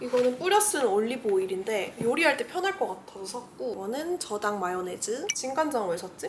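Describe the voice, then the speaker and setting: Over noticeable background noise, the voice moves at a fairly quick pace with hardly any pauses and very wide pitch swings. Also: woman, high pitch for a woman. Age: 20s. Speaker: lifestyle vlogger. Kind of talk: vlog voice-over narration. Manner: casual, friendly.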